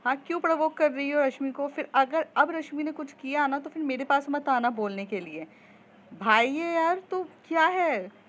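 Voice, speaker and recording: A woman's voice: high voice, moderate pace, muffled recording, voice pushed up. Woman doing a firm peacemaking young student. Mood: scolding. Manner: firm, calming, scolding.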